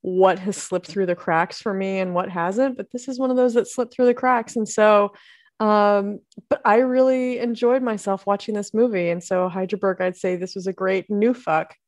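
A woman's voice: medium pitch, fairly even intonation, moderate pace, no room sound. Chatty, giggly woman host, dry sound. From Florida. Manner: chatty, giggly, leads the talk. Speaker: podcast host. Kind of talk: casual chat.

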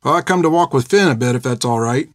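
A man voicing a calm young friend. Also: medium pitch, fast, dry recording, clean studio sound, lightly acted. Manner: calm, soothing.

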